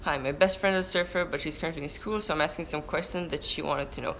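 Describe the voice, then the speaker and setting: A teenage surfer vlogger from Israel, with a Hebrew accent, speaks in a slightly high, quick and sharp voice. He chats on a live stream from indoors by a window, reading viewer questions aloud, answering them and often restarting words mid-sentence. His camera-mounted shotgun mic gives poor audio with slight background noise.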